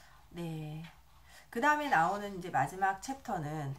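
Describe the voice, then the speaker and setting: A woman talks at a moderate pace with very wide pitch swings. The recording has audible room echo and noticeable background noise. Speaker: book review YouTuber. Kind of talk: book review with read-aloud passages. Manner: many filler sounds like 어 and 음.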